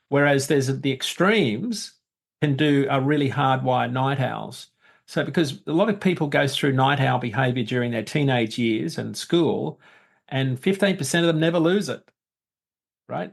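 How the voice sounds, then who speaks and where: A man's fairly high voice with an Australian accent, lively intonation and a moderate pace. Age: 60s. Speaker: sleep expert and former truck driver. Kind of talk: podcast interview.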